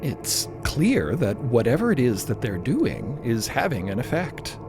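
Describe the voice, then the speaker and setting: A man's voice: medium pitch, wildly swooping pitch, measured pace. A man narrating a scripted drama podcast in a theatrical storytelling style. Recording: loud music under the voice. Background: music.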